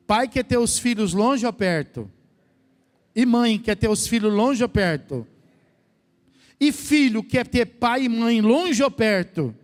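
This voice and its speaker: A man's voice: very high voice, animated, slow. A Brazilian man, a pastor, preaching a sermon to his church, asking the congregation questions and acting out what people say. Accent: Brazilian Portuguese. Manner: asks the congregation questions, acts out quoted voices. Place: church hall. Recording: long church reverb.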